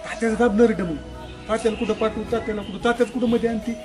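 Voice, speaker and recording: A man's voice: high voice, fairly even intonation, racing, over music, natural voice. A man playing a young secret lover who insists on a meeting in a comedy drama. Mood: insistent. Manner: insistent, needy, pressing. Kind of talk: village comedy drama acting.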